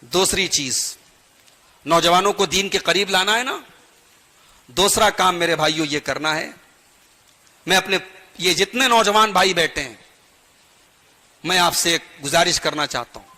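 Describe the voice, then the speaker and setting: A man delivers a sermon in a high, piercingly bright voice. He pleads and admonishes earnestly, with rhythmic sing-song repetition. His words ring out with a long hall reverb. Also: measured pace, pauses often. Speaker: preacher. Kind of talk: sermon to a gathering.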